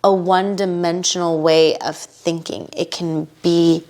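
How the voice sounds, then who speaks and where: A woman from the United States, a guest on a podcast, talking in a casual, animated and emphatic way with many quick asides. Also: on the low side. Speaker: podcast guest, bridal fashion entrepreneur. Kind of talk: casual conversational interview.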